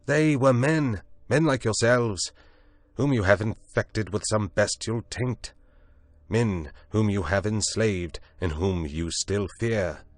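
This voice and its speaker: Man doing a cornered, defiant castaway, raised and loud over a low, dry base. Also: lively intonation, measured pace, hardly any pauses, no room sound. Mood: shouting. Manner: loud, pleading and shouting.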